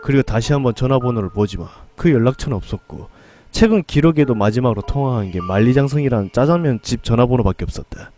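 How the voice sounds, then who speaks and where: A man tells a first-person horror story in a scripted, dramatic way. His voice is mid-pitched but swings widely in tone. Faint music plays softly behind him. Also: animated, quick pace.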